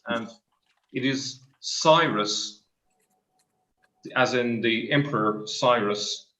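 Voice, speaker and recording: A man's voice: mid-range voice, fairly bright tone. A man on a live online discussion panel who reads out viewer comments and answers them tentatively. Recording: slightly dull lo-fi mic.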